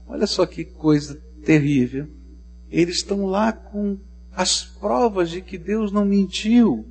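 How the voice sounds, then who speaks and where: A male pastor preaching a sermon, telling the story dramatically and acting out the people's voices with big swings in pitch and volume. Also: breathy edge. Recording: long hall reverb, faint music and hum.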